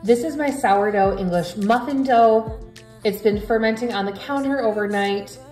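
A woman in her thirties, a lifestyle vlogger and home cook, narrates a casual home cooking vlog while explaining her meal prep. Her voice is fairly high-pitched with a darkish tone and moderate pace, and background music plays behind it.

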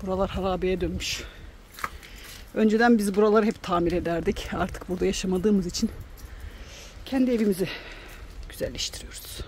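A woman chats easily to her viewers outdoors in a farmyard, her voice sitting in a middle register. When she turns to her hens, she coos at them fondly in a higher voice. Faint wind and clucking chickens hang behind her. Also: a little fast, long pauses, a little mellow. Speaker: village life vlogger. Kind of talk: casual vlog chat to viewers.

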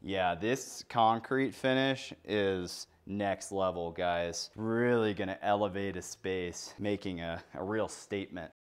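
A man's voice: low-pitched, slow pace, few pauses, smooth. A young adult man presenting an unboxing in a casual, informal and enthusiastic way. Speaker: product presenter.

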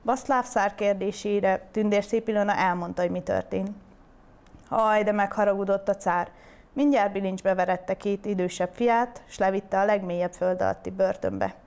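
A woman reading a long fairy tale aloud as storyteller, with steady, clear delivery. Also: medium pitch.

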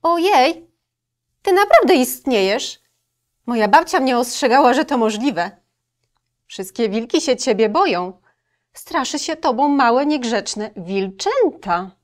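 A woman's voice: fairly high pitch, big pitch swings, measured pace, pitched above the performer's own voice. A woman voicing a timid, easily frightened male wolf in a children's storybook reading, anxious and hesitant. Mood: fearful.

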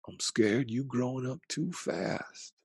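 Man as a gravelly, gentle old grandpa. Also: mid-range voice, dry recording. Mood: wistful, tender. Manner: folksy, slow, humming "mm-hmm". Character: gentle, loving old grandfather with folksy wisdom.

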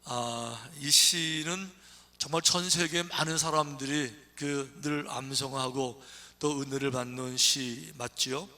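Bright chatty Korean pastor. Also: male voice, medium pitch, fairly even intonation, takes it slowly. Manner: conversational, chatty, with fillers. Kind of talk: sermon. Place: church.

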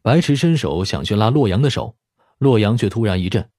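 A man's voice: lowish voice, expressive, a little fast, a little mellow, breathy edge, no echo, studio quality. A man reading a dramatic scripted audiobook narration.

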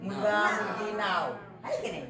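In an echoey classroom full of children's voices, a woman teacher with a Marathi accent runs a grammar lesson, quizzing her pupils call-and-response style and teasing them in fun. She speaks at a moderate pace with a medium-pitched voice, and crowd noise can be heard.

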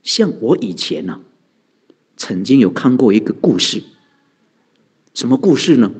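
A man's voice: medium pitch, very animated, unhurried, a little mellow, breathy edge. A man, a Buddhist monk giving a conversational dharma talk, asking rhetorical questions and answering them, chuckling often. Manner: chuckles often, heavy use of sentence-end particles.

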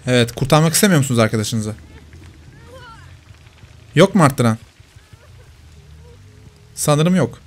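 A man's voice: medium pitch, lively intonation, a little slow, long pauses. Man teasing as he plays. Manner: talks to the players he hunts, teasing. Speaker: gameplay commentator. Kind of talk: live game commentary.

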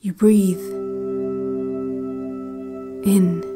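A woman playing a calm, eerie instructor on a relaxation cassette in an audio drama, giving measured, hushed guided-meditation narration. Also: medium pitch. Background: music.

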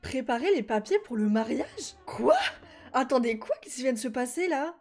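A woman's voice: sits high, animated, warm tone. Chatty young woman gaming. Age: 20s. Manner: chatty, talks to her game characters and viewers; quick exclamations of delight and confusion. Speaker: gaming YouTuber. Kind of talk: casual Let's Play commentary.

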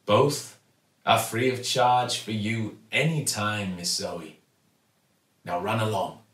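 A man's voice: on the low side, slow pace, fairly bright tone. A man voicing a kindly, sentimental male newsagent in a storybook, avuncular and emotional. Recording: roomy, slightly distant mic.

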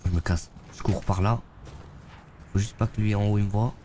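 A man's voice: on the low side, steady tone, moderate pace, dark tone, slight background noise. A young man, streaming a game live and chatting loosely with viewers in slangy talk while congested with a head cold. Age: young adult. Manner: slangy, loose, talks to chat while playing. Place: streaming room, seated in a gaming chair.

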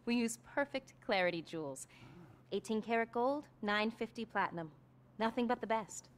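Actress as a video game jewelry clerk, courteous, eager to sell, animated pitch. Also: female voice, normal speed, lightly acted. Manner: smooth, upbeat sales patter. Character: polished female jewelry saleswoman, eager to sell.

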